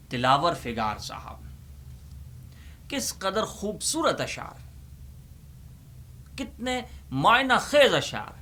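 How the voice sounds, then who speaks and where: A man's voice: mid-range voice, sharp tone, slight background noise. A man reciting humorous poetry as a host, in a theatrical, emphatic manner, repeating lines for effect.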